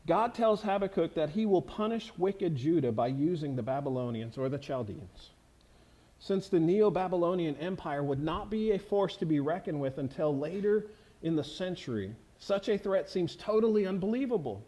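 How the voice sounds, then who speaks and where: A pastor delivers a sermon with real conviction, his voice sitting high for a man. He presses his points hard and turns to the congregation with questions. It sounds like a church sanctuary. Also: animated, moderate pace, warm tone, rough recording. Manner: earnest, emphatic preaching with rhetorical questions to the congregation.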